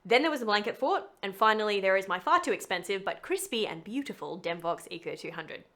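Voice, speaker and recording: A woman's voice: medium pitch, expressive, fast, a bit bright. Playful woman presenting a tutorial. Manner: chatty, playful, with wry asides. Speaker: voice actor giving a tutorial. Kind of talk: scripted tutorial narration.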